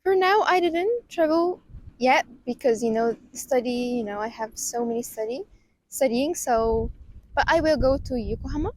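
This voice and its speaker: A woman's voice: sits high, lively intonation, normal speed, low-quality recording. A woman, a student, answering eagerly and often saying "you know". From Egypt. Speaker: student, interviewee. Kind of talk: casual street interview.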